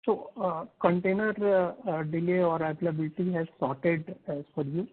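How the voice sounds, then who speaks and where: A man's voice: fairly high pitch, fairly even intonation, moderate pace. A man with an Indian accent asking questions as an analyst on an earnings call, phrasing things hesitantly and piece by piece. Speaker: analyst caller. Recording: thin, narrow phone line.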